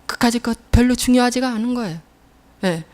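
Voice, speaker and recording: A woman's voice: fairly high pitch, fairly quick, a little mellow. A middle-aged woman pastor preaching a sermon in a church, telling stories emphatically and acting out the scolding voices she quotes.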